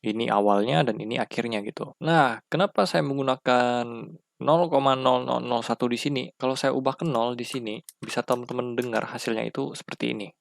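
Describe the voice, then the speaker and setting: A man with an Indonesian accent giving a casual, step-by-step software tutorial and addressing viewers informally as friends. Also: mid-range voice, steady tone, fairly quick, vocal fry, no echo, clean studio sound. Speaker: tutorial presenter.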